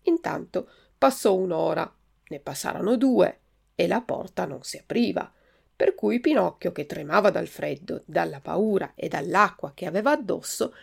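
Gravelly-voiced woman reading a story. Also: medium pitch. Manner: expressive, lively. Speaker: narrator.

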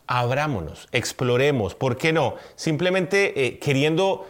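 A man's voice: medium pitch, expressive, measured pace. Man podcast co-host, conversational, earnest, casual couple chat. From Colombia. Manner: earnest, conversational, with filler hesitations.

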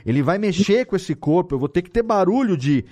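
A Brazilian man talking casually as an interviewed audio editor, explaining things in an animated way with rhetorical questions. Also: sits high, a little fast. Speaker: audio drama editor and podcast guest.

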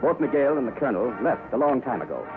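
A man announcing and narrating a radio drama with a measured, dramatic delivery. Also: mid-range voice, animated. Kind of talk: scripted narration. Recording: narrow 1950s radio broadcast with music.

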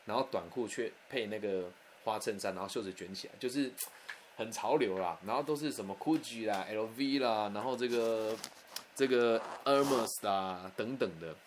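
A man telling a personal anecdote in a candid, animated, conversational way. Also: fairly low pitch, normal speed, slight background noise. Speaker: storyteller.

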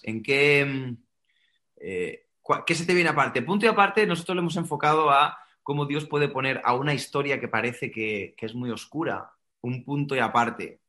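A man's voice: on the high side, sharp tone. A man from Spain with a Castilian accent hosting a casual interview podcast, chatting in an informal, joking way. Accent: Castilian Spanish, Spain. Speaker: podcast host.

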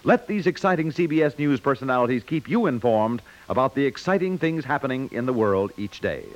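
A man's voice: medium pitch, expressive, fairly quick, over music. A man announcing from a script in the style of 1950s network radio. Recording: muffled 1950s radio broadcast recording.

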